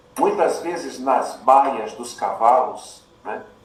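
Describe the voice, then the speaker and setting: A man speaks with ordinary pitch variation. Audible room echo surrounds the voice. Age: 60s. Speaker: military veteran and political commentator. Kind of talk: political commentary vlog. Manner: emphatic, incredulous.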